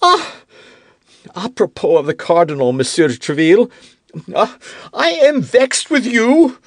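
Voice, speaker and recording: A man's voice: high voice, sing-song, measured pace, dry recording, clean studio sound, voice pushed up, full character voice. A man putting on a petulant, whiny king. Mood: complaining. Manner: rising into indignant outbursts. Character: fretful, self-pitying middle-aged king, quick to anger. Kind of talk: audiobook character reading.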